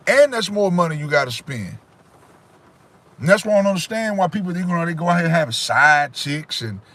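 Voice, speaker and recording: Talking into a phone or webcam, this livestream host delivers emphatic, preachy life advice directly to his viewers in a casual motivational talk. His pitch is fairly high and his tone a bit bright.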